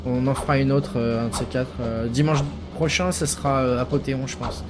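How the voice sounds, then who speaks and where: A man's voice: mid-range voice, fairly even intonation, brisk. Casting: male streamer, casual swearing play-by-play, game music behind. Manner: chatty, swears freely, reacts aloud to play. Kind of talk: casual live game commentary.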